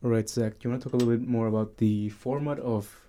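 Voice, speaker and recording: A man's voice: mid-range voice, steady tone, quick pace, warm tone, slight background noise. A young man from Venezuela, a student co-hosting a podcast, speaking earnestly with some fillers and restarts. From Caracas, Venezuela. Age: young adult. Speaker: podcast co-host. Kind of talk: casual student podcast chat.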